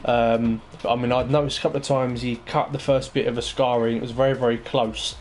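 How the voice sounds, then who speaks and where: Chatty host, mid-pitched voice. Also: male voice, level tone, brisk, a little mellow, a little hiss or hum. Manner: chatty, matey, hesitant with ums. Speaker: interview host. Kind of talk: casual post-race interview.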